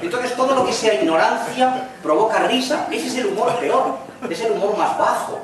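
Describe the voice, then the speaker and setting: Spanish-accented male lecturer, joking and chatty, voice a little high, recorded from far off in an echoey room. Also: crowd noise. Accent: Spanish (Spain). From Spain. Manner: chatty, tells jokes with quick acted lines. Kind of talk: lecture with jokes.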